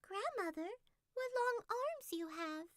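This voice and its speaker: A woman's voice: very high voice, big pitch swings, takes it slowly, no echo, studio quality, voice pushed up, full character voice. A woman voicing a sweet, innocent little girl in a red hood for a storybook reading, polite and earnest.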